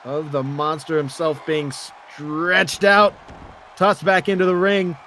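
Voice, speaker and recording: A man doing live wrestling play-by-play commentary in an excitable, dramatic manner. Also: a little high, takes it slowly, a little hiss or hum.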